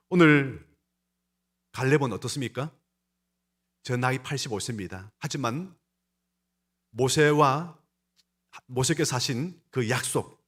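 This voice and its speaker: Here a male pastor delivers a sermon directly to the congregation, emphatic and rising and falling in his delivery. He has a medium-pitched, somewhat bright voice with a breathy edge.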